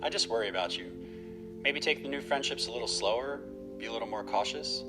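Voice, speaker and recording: An actor playing a worried, protective older father in an audio drama, gently cautioning and a little hesitant. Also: mid-range voice, quick pace, over music, natural voice. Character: worried, protective older dad, homebody tinkerer. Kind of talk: naturalistic audio drama acting.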